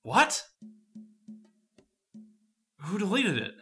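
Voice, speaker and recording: A man's voice: sits high, sing-song, very slow, fairly bright tone, soft background music, heavily acted. A man playing a wily detective questioning a witness in a sci-fi radio drama. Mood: exasperated, wily. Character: wily male detective humouring and questioning a robot.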